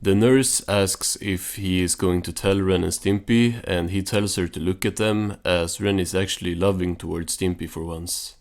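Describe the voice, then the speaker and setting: Low-voiced man doing a casual recap. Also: fairly even intonation, moderate pace, hardly any pauses. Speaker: video reviewer and narrator. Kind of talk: casual episode recap commentary.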